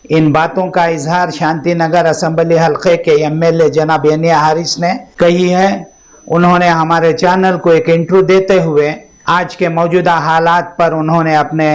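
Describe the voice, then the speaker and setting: A man with a somewhat high voice reads the news as a presenter. His delivery is scripted narration, with formal, literary diction throughout. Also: flat delivery, normal speed. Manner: formal Urdu-laden diction.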